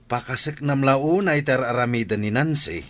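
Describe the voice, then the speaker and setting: A man's voice: mid-range voice, normal speed, close to an everyday voice. A man voicing a strict, hot-tempered father who scolds his family in an audio drama. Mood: scolding. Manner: scolding, shouts when angry.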